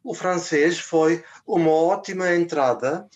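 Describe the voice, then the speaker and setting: An older man, a journalist guest in a radio interview, who talks deliberately and pauses often to search for words. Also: a little high, lo-fi sound. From Germany. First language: German.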